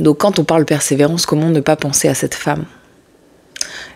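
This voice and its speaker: A woman with a very deep, low pitch speaks at a moderate pace in a monotone, flat delivery. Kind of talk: casual devotional talk with scripture reading. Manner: hesitant, many fillers.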